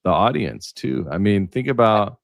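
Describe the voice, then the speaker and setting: Guy on a livestream panel, lowish voice, dry sound, just chatting. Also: lively intonation, moderate pace, creaky, no room sound. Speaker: livestream panelist and content creator. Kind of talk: casual livestream roundtable chat.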